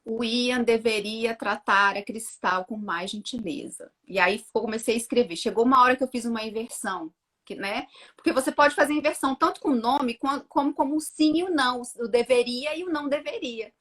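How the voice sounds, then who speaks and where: A woman in her thirties, a mother telling her story on a casual live chat, acting out her own words with lively energy. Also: high-pitched, fast talker. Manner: animated storytelling, acts out her own quotes. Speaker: guest, mother of two.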